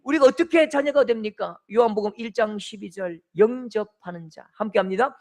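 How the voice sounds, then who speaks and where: A middle-aged man with a Gyeongsang Korean accent preaching a sermon, acting out quoted voices and swinging from loud shouts to soft, tender lines. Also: sits high, a little fast. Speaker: pastor.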